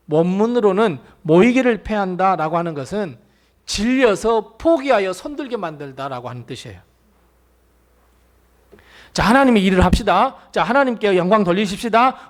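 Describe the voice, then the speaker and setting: Male preacher, high and very expressive, acting out quotes mid-sermon. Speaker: pastor.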